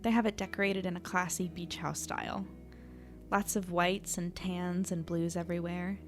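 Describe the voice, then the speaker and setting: A woman's voice: on the low side, flat delivery, normal speed, faint music behind, natural voice. A woman playing an earnest, anxious female reporter in an audio drama, conversational, tentative and a little self-deprecating. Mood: wry narrating. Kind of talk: naturalistic audio drama acting and narration.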